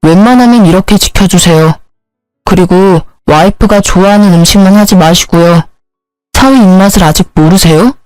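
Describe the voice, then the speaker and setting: A woman's voice: mid-range voice, normal speed, a little mellow, no echo, soft background music, natural voice, poor audio. Storybook husband, petty and bossy, barking orders in a dry, close voice, as a woman reads him. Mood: demanding. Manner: curt, demanding, scolding. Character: rude entitled young husband, bossy and petty.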